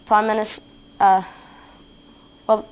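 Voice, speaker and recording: A woman's voice: medium pitch, little pitch movement, slow, clean tone, close to an everyday voice, rough recording. A woman playing a male news anchor, delivering dramatic mock news. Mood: urgent.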